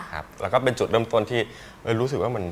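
With noticeable background noise behind him, a man speaks in a fairly low pitch. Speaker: voice actor and social media dubbing creator. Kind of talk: interview answer. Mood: friendly, smiling. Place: studio. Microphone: lapel.

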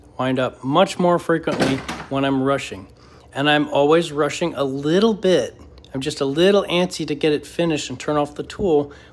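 Moderate pace and ordinary pitch variation, with light background noise. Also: man. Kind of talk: casual explanatory vlog talk. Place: garage. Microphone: phone near.

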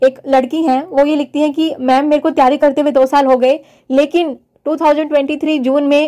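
A woman speaks in a high voice with monotone, flat intonation. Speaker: study vlogger. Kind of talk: vlog monologue.

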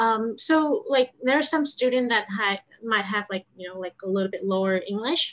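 A woman speaks in an unremarkable speaking voice. Her pitch is fairly high with ordinary variation, against a quiet background. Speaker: education agent staff; webinar host asking questions. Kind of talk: webinar Q&A. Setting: video call. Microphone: video call.

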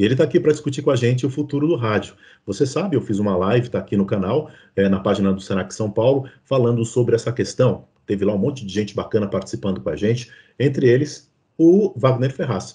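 A man with a dark, mellow, somewhat breathy tone, medium pitch and lively intonation at a very fast pace, against a quiet background. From Brazil (São Paulo). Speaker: voice-over teacher and radio announcer, channel host. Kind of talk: casual talk to camera, host introduction. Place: studio.

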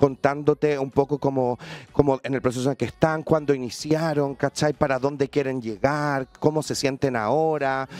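A man speaks with a Chilean accent. His pitch is fairly high, and the sound is dry with no echo. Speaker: podcast co-host; podcast host. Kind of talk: casual chat; casual podcast chat. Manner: animated. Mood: playful, joking. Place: studio. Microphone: echo, sounds like in a bunker; studio mic.

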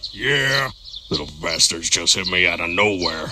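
Growling in a put-on character voice, a man speaks at a very deep, low pitch and moderate pace over clear background noise. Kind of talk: comic parody voice acting. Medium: fan dub. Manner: gruff, crude, blustering.

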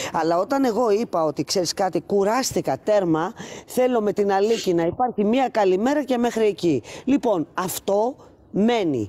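Her voice is dark and mellow at medium pitch, as a woman talks at a moderate pace with lively intonation and very even loudness. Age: 50s. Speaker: tiktok live participant; live stream host. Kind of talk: heated debate. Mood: firm, slightly weary. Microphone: phone near.

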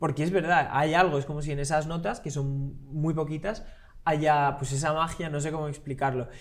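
With fairly even intonation, this is a plain, everyday voice. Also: man, fairly high pitch for a man, moderate pace. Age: 20s. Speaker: arts foundation representative; guest. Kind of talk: interview. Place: studio. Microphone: lapel.

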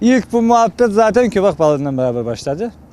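A man talks fairly quickly, his intonation lively. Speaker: fisherman. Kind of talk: interview answer.

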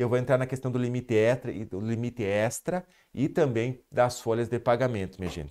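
With a Brazilian accent, a man speaks at medium pitch. His tone is dark and mellow. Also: quiet background. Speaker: personal finance YouTuber. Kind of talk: online video explainer. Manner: urgent, emphatic. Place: studio.

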